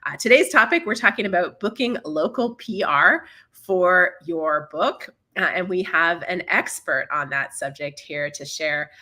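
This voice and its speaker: A woman hosting a live stream with a slightly raspy voice from a cold, welcoming viewers in an upbeat way. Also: fairly low pitch, lively intonation, a little slow, sharp tone. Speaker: channel host. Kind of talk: live-stream host intro.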